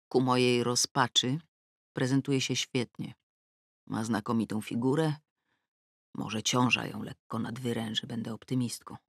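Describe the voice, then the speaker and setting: A woman's voice: extremely low pitch, fairly bright tone, no room sound. A middle-aged woman narrating a first-person audiobook with wry irony and wide swings in tone. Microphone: close studio mic. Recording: dry studio recording.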